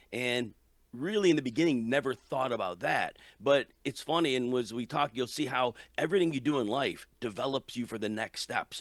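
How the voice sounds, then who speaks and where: With an American accent, a man talks in a normal speaking voice at medium pitch and a moderate pace, with ordinary pitch variation, in a dry, close sound with no echo on a very clean recording over a silent background. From US Midwest, Chicago area. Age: 60s. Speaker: fantasy sports writer, former teacher. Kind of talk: interview storytelling.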